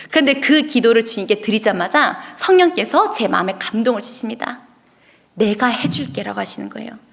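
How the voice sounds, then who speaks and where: A young woman in her twenties gives a heartfelt church testimony as a youth revival speaker, telling her story earnestly. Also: fairly high pitch.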